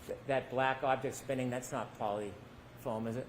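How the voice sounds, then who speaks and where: A man's voice: medium pitch, steady tone, moderate pace, a little hiss or hum. Male trial lawyer, pointed cross-examiner, mid-range voice, courtroom recording. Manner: pointed leading questions with tag endings. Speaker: defense attorney.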